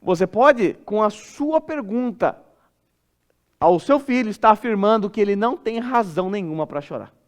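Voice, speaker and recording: Delivering an expository sermon in a church, this pastor speaks with a Brazilian Portuguese accent at a moderate pace. He's expressive throughout, lowering to a soft, deep voice when portraying a parent speaking.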